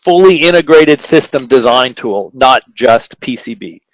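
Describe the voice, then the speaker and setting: A man giving technical product answers in a measured, explanatory way, pausing to think as he goes. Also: mid-range voice, lively intonation, no room sound, low-quality recording. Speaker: company presenter answering questions.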